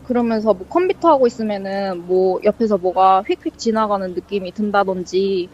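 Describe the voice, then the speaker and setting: A woman's voice: medium pitch, normal speed, darkish tone, a little hiss or hum. A woman casually telling a ghost story as a guest, rambling and full of fillers, acting out the lines she quotes. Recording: dull lo-fi sound.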